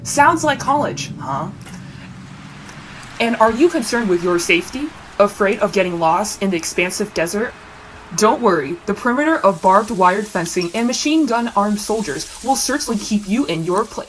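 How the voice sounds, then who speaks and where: A woman's voice: mid-range voice, animated, moderate pace, slight background noise, close to an everyday voice, low-quality recording. A woman playing a breezy, sardonic game show host with showy announcer patter and mock sweetness in a satirical theater piece. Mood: mock cheerful. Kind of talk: satirical readers theater performance.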